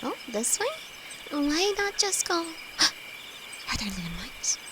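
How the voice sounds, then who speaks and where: A woman's voice: high voice, very animated, slow pace, heavily acted. A woman acting a timid, affectionate young apprentice alchemist in an intimate audio roleplay, nervous, stammering and hesitant, speaking to her best friend. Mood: worried. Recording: insect and cricket noise behind voice. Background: night forest ambience with crickets.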